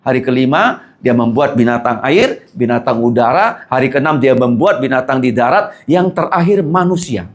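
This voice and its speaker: Animated pastor teaching a class. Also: male voice, mid-range voice, moderate pace, hardly any pauses. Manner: lively, asks the class questions and answers them.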